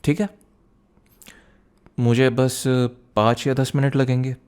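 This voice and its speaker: A man performs a young student boyfriend in an intimate ASMR roleplay. His voice is mellow and relaxed at a medium pitch. He speaks softly and conversationally, protective one moment and playfully suspicious the next. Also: takes it slowly, clean tone, lightly acted. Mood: indulgent, suspicious.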